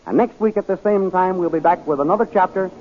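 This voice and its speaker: Casting: male serial announcer, high voice, declamatory delivery, thin vintage radio sound. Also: fast talker. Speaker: announcer and narrator. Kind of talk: dramatic scripted 1930s radio narration. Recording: thin, phone-like 1930s radio recording.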